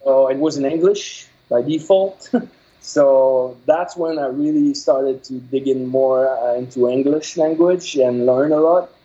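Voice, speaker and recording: A man from Quebec whose first language is French, speaking English with a Québécois accent as an interview guest, pausing often to find his words. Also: mid-range voice, dark tone. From Quebec, Canada. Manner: halting, many fillers and restarts while searching for words. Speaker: game developer guest. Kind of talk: casual interview. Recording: dull lo-fi audio.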